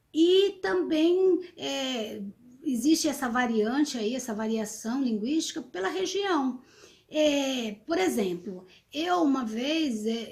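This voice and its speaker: A high-voiced middle-aged woman talks to students. She explains patiently but hesitantly, with many fillers and restarts along the way. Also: a little mellow. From São Vicente, Brazil. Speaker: interviewee, teacher.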